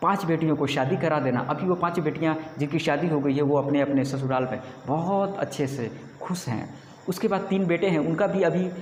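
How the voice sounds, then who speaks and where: With noticeable background noise and audible room echo, a man with a fairly high pitch speaks at a moderate pace and ordinary pitch variation. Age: 20s. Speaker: YouTuber. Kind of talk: vlog monologue. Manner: animated.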